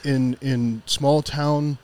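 A man's voice: medium pitch, little pitch movement, extremely slow, darkish tone. A man hosting a podcast on location, chatting casually in a rambling, jokey, informal way. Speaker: podcast host. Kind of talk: casual chat. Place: on location at an eatery.

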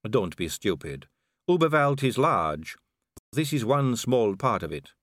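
A man voicing a calm, elegant, sly female vampire noblewoman in an audiobook, cool and drawling. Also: mid-range voice, measured pace, no room sound, clean studio sound. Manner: cool, drawling, amused and poised. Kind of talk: audiobook character reading.

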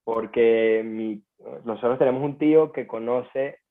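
Venezuelan guy telling a story, super slangy and informal, mid pitch, sounds like it came over a phone line. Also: measured pace. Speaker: guest. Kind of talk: casual storytelling.

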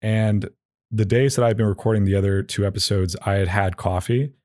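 Low-voiced man rambling on a solo podcast. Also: fairly even intonation, darkish tone, no echo, studio quality. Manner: halting, repeats and trips over phrases, self-deprecating. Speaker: podcast host.

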